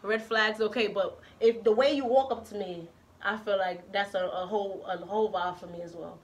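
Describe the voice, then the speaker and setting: A woman hosting a casual chat show, talking in a laid-back slangy way with lots of fillers, her voice a little hoarse. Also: mid-range voice, fairly even intonation, moderate pace. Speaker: host.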